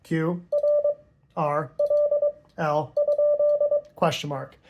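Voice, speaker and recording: A man's voice: fairly high pitch, steady tone, extremely slow. A man giving an informal tutorial in a conversational way, often checking that the listener follows. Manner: conversational, checks understanding with tags like "right?" and "okay?". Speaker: amateur radio hobbyist teaching Morse code.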